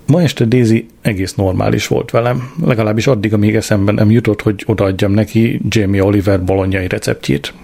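A man's voice: fairly low pitch, steady tone, creaky, few pauses, dark tone. A man reading a diary-style story aloud as an audiobook narrator, with a dry, wry delivery.

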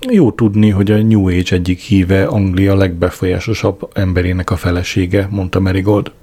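Low-voiced guy reading a funny diary audiobook, dark mellow tone, totally deadpan. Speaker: audiobook narrator. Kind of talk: reading a comic diary aloud.

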